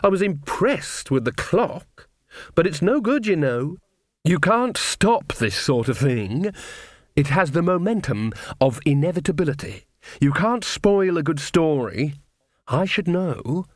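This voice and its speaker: A man's voice: a little high, animated, measured pace, no room sound, clean studio sound, pitched above the performer's own voice. A man voicing a cold, imperious older witch woman in an audiobook, haughty and scornful. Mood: smug, dismissive. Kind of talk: audiobook character acting.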